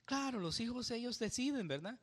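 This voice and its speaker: A man's voice: extremely high pitch, lively intonation, brisk, a bit bright, big-room sound. A man giving a conversational Bible study sermon, often checking in with the congregation and laughing at his own slips. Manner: conversational, asks the congregation questions with frequent tag "¿verdad?". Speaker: pastor.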